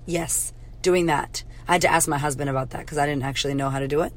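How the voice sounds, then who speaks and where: A woman hosts a podcast in a casual, punchy monologue, her voice husky and a little hoarse. She sits slightly low in pitch and swears freely as she urges listeners to know their worth. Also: fairly even intonation, fast talker, heavy background noise. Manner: blunt, swears freely, motivational. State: hoarse from karaoke. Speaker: podcast host, confidence coach. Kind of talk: casual pep-talk monologue.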